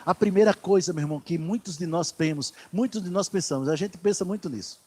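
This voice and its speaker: Man, pastor, sermon, high-pitched, emphatic then quiet. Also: quick pace. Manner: emphatic preaching, swinging from loud declarations to hushed asides. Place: church.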